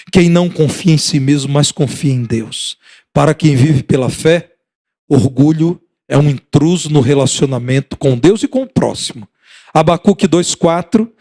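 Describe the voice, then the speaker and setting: A man's voice: a little high, darkish tone. A middle-aged Brazilian man preaching a sermon as pastor, building rhythmic repetitions and voicing dialogue from his stories. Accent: Brazilian Portuguese.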